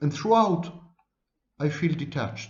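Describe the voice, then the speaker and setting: A man speaks at a fairly slow pace with a fairly high pitch, lively intonation and vocal fry. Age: 60s. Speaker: psychology professor. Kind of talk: monologue.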